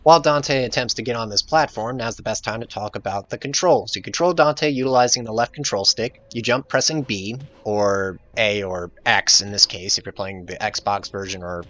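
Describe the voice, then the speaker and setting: A man's voice: fairly low pitch, moderate pace, few pauses, fairly bright tone, dull audio. A man giving casual, jokey gameplay commentary as the host of a let's play.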